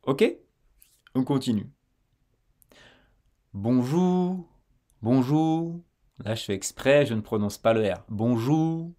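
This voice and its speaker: A man teaching French pronunciation, slowly modelling words and phrases and repeating them for the listener to copy. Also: mid-range voice, animated, a little mellow. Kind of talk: pronunciation lesson.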